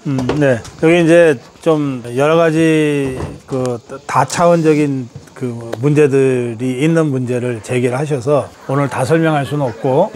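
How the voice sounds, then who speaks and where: High-pitched emphatic older man lecturing. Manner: emphatic, rhetorical, colloquial asides. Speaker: political commentator and lecturer. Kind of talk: political lecture, answering audience questions.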